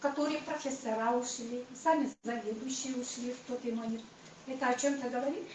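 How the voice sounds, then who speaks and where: A woman talks at a moderate pace and a high pitch with fairly even intonation, and the room echo is audible. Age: 60s. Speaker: retired pediatrician, health product presenter. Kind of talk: presentation to live audience. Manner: hesitant, many fillers.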